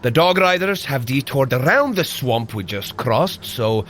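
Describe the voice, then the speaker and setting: An actor playing a heroic, good-humoured thunder god in an audio drama, speaking in a grand, deliberate manner. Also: male voice, mid-range voice, expressive, fairly bright tone, a little hiss or hum. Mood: reporting. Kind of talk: scripted audio drama acting.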